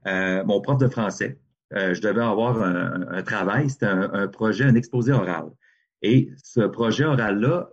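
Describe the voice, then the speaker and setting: A man's voice: lowish voice, breathy edge, dull audio. A man, a radio guest telling stories casually in a podcast chat. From Hearst, Ontario. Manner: relaxed storytelling, frequent restarts. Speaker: guest, radio music director.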